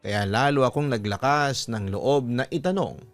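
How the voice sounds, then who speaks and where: A listener's letter is read aloud at a moderate pace by a man of medium pitch with a Filipino accent, styled as a radio host. His delivery is scripted and dramatic, with music playing behind his voice.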